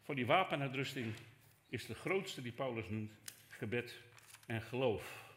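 An older man preaching a sermon as pastor, conversational, dropping to soft asides and rising for emphasis. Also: mid-range voice, animated, measured pace. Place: church hall. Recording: echoey church hall.

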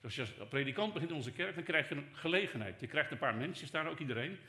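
Older man, pastor, conversational sermon, bright voice, echoey church. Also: on the high side, expressive, fast. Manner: conversational preaching, swinging between soft asides and raised emphasis. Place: church hall.

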